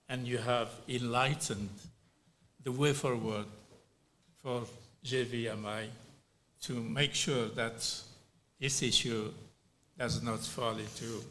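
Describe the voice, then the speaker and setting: A middle-aged man from Algeria giving a formal speech as a panel speaker at a human rights hearing, slow and deliberate, with pauses and fillers. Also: medium pitch, fairly bright tone, a little hiss or hum.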